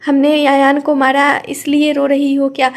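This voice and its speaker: A woman voicing a gentle, protective older brother who speaks softly and soothingly in an audio story. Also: high-pitched, completely flat delivery, moderate pace. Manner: soft and soothing.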